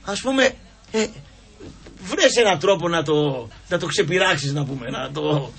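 A middle-aged man with a high-pitched voice hosts a sports radio show. He rambles and teases, stacking fillers and mocking asides in casual chat. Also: vocal fry, husky. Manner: rambling, teasing, mocking and animated, with lots of fillers.

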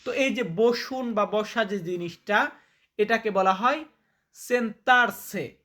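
A male language teacher talks viewers through a word list at a slow, measured pace. He drills every term by repeating it and quizzing the listener, and he speaks informally and directly, like a friend explaining things. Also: sits high, fairly bright tone. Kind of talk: spoken vocabulary lesson.

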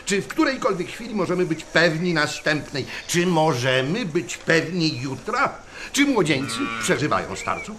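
High-pitched, wildly swooping pedantic schoolmaster. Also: male voice, very animated, normal speed, few pauses, a bit bright, a little hiss or hum. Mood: insistent. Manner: theatrical, questioning classroom delivery. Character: agitated schoolteacher, Mr Laurent, pedantic and darkly cheerful. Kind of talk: radio drama acting.

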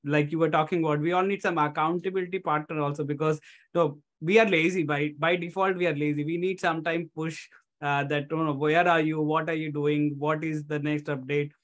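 A man's voice: a little high, little pitch movement, a little fast, fairly bright tone. A man in his thirties with an Indian accent answering as a guest coach in a conversational interview, repeating words for emphasis. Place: home room on a video call. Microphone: headset.

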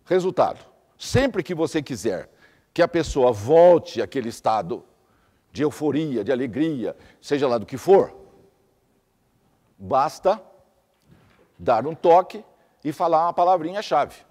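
A man's voice: on the high side, animated, unhurried, pauses often, darkish tone. Man, lecturer, teaching talk, step-by-step lists and examples, long hall reverb. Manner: explains with lists and repeated examples.

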